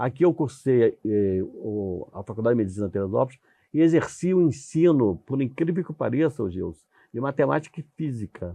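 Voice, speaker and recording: Against a quiet background, a man talks at medium pitch in a dark, mellow tone. His pitch swings very widely at a moderate pace. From Rio de Janeiro, Brazil. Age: 70s. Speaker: physician and former teacher. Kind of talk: interview conversation.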